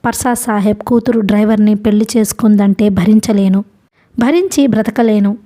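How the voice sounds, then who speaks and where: A woman's voice: mid-range voice, normal speed, mellow, close to an everyday voice. A woman reading the part of a stern, proud wealthy father who speaks harshly and commandingly, in an audiobook.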